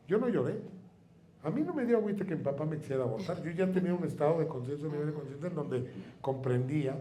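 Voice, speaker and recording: A man in his thirties, a workshop speaker telling a personal story to his audience in an animated way, with casual swearing. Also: medium pitch, reverberant, a little hiss or hum. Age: 30s. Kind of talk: seminar storytelling.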